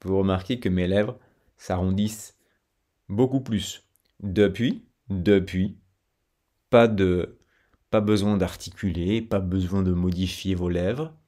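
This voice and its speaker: A male pronunciation teacher speaks at an unhurried, deliberate pace, with a low, mellow voice. He breaks sentences into syllables and repeats each model phrase carefully so learners can follow. His tone is steady and instructive.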